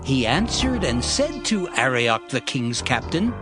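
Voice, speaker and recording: A man reads scripture as a solemn narrator. His delivery is slow and measured, yet strongly varied in pitch for dramatic weight. Soft music plays faintly under the voice. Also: very animated.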